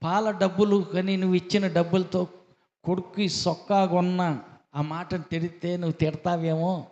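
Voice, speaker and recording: A woman's voice: fairly low pitch, flat delivery, normal speed, mellow, voice pushed up, close to an everyday voice. A male preacher voicing an anxious young wife who pleads with her husband and explains herself at length. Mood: pleading. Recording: dull echoey hall recording.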